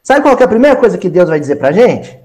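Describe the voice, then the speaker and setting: A man with a Brazilian accent teaching a Spiritist gospel study, animated, acting out small scenes and repeating phrases for emphasis. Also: sits high, quick pace. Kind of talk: spoken gospel study lesson.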